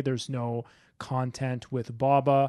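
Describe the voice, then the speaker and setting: A man speaks fairly slowly at medium pitch in an unremarkable speaking voice. The background is quiet. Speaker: podcast host. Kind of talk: casual chat.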